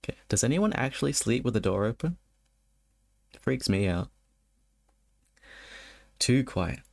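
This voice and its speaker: A man streaming a spooky horror game moves back and forth between reading the story aloud and chatting casually with viewers, often stumbling and repeating words in the chat. His medium-pitched voice is sing-song, with vocal fry.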